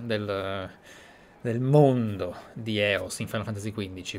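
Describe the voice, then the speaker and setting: A man with an Italian accent giving let's play commentary in a reflective, discursive way. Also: mid-range voice. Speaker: gaming commentator. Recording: game ambience faintly behind the voice.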